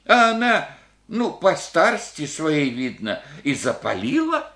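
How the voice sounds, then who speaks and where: A man's voice: a little high, huge pitch swings, a little slow, a bit bright, exaggerated voice. A hesitant old village grandfather. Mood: plain, rueful. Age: older. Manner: rustic, hesitant, rambling village speech. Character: humble old village grandfather, burned out of home. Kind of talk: radio play acting.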